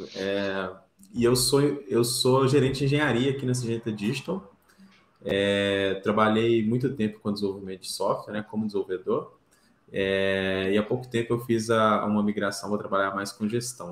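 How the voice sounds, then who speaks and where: A man speaks at a moderate pace in a fairly low pitch with fairly even intonation. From Minas Gerais, Belo Horizonte. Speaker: engineering manager. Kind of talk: casual chat. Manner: halting, many repetitions.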